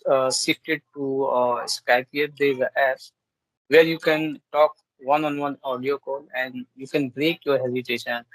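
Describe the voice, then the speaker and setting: A man's voice: medium pitch, steady tone, moderate pace, dry recording, poor audio. A man with an Indian English accent, Urdu as his first language, chatting hesitantly on a video call while practicing English, with many fillers and restarts. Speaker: English learner. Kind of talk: casual video call chat.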